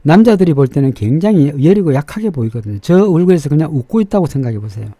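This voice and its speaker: A middle-aged man speaks in a very dark, muffled-toned voice with a raspy edge. His pitch moves in lively swings as he explains and judges, leaning hard on key words. The recording is close and dry. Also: quick pace, no room sound. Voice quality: sharp-edged, raspy. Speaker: fortune-teller and face reader hosting a show. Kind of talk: informal explanatory commentary.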